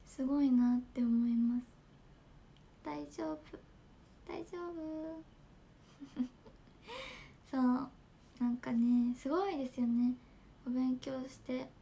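A woman's voice: sits high, darkish tone. A young woman from Japan, chatting casually with fans on a smartphone livestream, giggling and reading out comments. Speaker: idol livestreamer.

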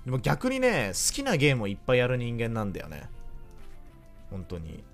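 A man's voice: mid-range voice, wildly swooping pitch, brisk, soft background music. A man giving casual, joking commentary while playing a video game, teasing and talking to himself and his viewers. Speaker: game streamer. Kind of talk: joking let's-play commentary.

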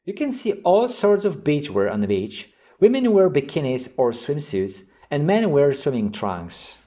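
A man hosting an English vocabulary lesson, reading example sentences and definitions slowly and clearly. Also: fairly high pitch, big pitch swings, dark tone. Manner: slow, carefully enunciated reading of example sentences. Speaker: English teacher.

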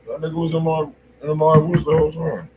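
A man co-hosting a music stream, chatting in relaxed street slang with short reactions. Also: a little high, fast, slight background noise, rough recording. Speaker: co-host on the stream. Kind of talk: casual chat.

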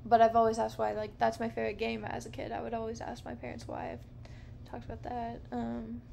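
A woman in her thirties hosting a podcast alone, rambling slowly and softly in a dim living room at night, with many fillers. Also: on the high side, completely flat delivery, gravelly, slight background noise. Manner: slow, meandering, soft-spoken with many fillers. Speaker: podcast host. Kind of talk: rambling casual monologue. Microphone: camera close up, handheld or on a low stand.

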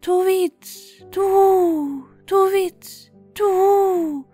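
High, hooting storybook owl. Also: female voice, drawn-out words, warm tone, heavily acted. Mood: gleeful. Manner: hooting, delighted. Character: big-eyed owls, gleefully hooting in the cold. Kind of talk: fairy tale storybook reading. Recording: music bed behind the voice.

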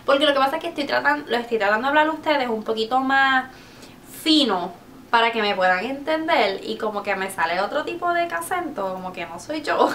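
A woman's voice: high voice, lively intonation, brisk, a bit bright, a little hiss or hum. A woman chatting casually and a little self-consciously as a beauty vlogger, mixing English words into her Spanish. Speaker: beauty video host. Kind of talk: casual chatty product review.

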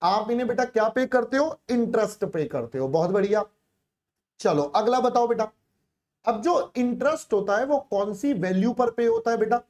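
A man's voice: high voice, animated, normal speed, darkish tone. A male teacher leads a live online class in a coaxing, repetitive way. He checks in often and slips English phrases into his explanations. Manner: coaxing, repeats phrases, calls students "beta".

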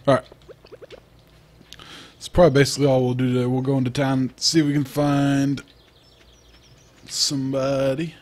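A man's voice: medium pitch, monotone, moderate pace, pauses often, a little mellow. A young man giving casual, rambling, self-mocking commentary as he plays a farming video game. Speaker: let's play host.

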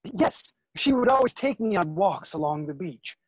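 A man's voice: high voice, expressive, moderate pace, slight background noise, low-quality recording. An actor in his thirties playing an earnest, lovestruck younger brother, romantic and defiant, in a staged play reading. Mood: wistful. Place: room at home, video call.

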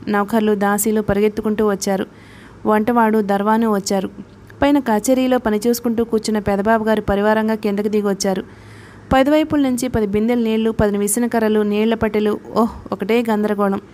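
A woman narrating a novel as an audiobook, reading in a steady, even way. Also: mid-range voice, brisk. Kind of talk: scripted narration.

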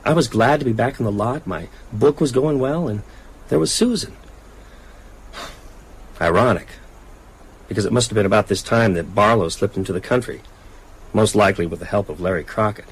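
An actor playing a haunted, weary writer in a radio drama, speaking in a reflective, hesitant way. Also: male voice, on the low side, lively intonation, normal speed, pauses often, slightly rough, rough recording. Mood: grave, reflective. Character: haunted, weary male writer recounting evil events. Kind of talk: radio drama narration and dialogue.

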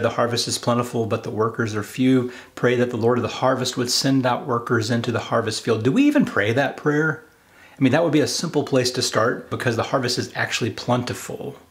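Earnest man preaching to camera. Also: medium pitch. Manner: earnest, emphatic, repeats phrases for emphasis. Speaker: preacher, video host. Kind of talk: sermon-like exhortation to camera. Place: home study with bookshelves, indoors.

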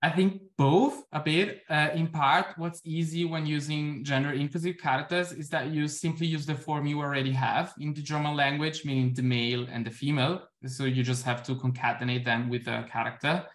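This young man, a native Italian speaker, explains his research steadily in an academic talk and Q&A on a video call, using plenty of ums. His voice is a little high and steady, at normal speed with hardly any pauses, captured by a laptop webcam in his home.

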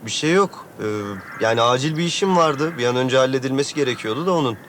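A man's voice: medium pitch, fast talker, fairly bright tone, slight background noise, close to an everyday voice. An actor playing a confident, easygoing young man who teases and reassures his sister in a TV drama. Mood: reassuring. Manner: easygoing, teasing. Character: confident young man, warm big brother. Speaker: landowner's son, brother. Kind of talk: TV drama acting. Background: music.

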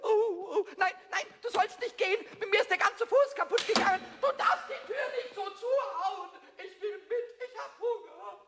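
Small cheeky kobold: screechy, high-pitched, boastful, melodramatic, for a children's audio drama. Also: male voice, moderate pace, hardly any pauses, background noise. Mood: whiny, panicked. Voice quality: squeaky, screechy. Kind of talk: German children's radio play.

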